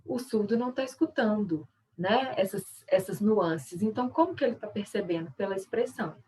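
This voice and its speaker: Brazilian woman, workshop teacher, conversational explainer, mid pitch, slightly distant video-call mic. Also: lively intonation, normal speed, a little mellow. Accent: Brazilian Portuguese. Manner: explanatory, conversational, many tag questions. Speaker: sign language interpreter and workshop teacher. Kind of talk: online workshop lesson.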